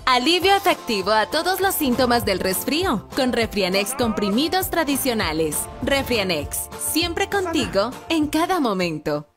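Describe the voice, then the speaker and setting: A woman's voice: a little high, sing-song, measured pace, hardly any pauses. A woman announcer reading a polished, upbeat commercial voice-over. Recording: music bed behind.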